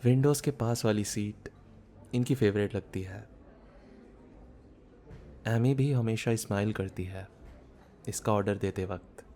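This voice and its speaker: A man acting a shy, bookish man in his thirties in an intimate ASMR romance roleplay, speaking softly as if musing, with some background noise. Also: lowish voice. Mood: wistful musing. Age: 30s. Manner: soft, unhurried, intimate, musing. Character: shy, bookish, self-doubting thirty-year-old man, tender romantic lead. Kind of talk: ASMR boyfriend roleplay audio drama.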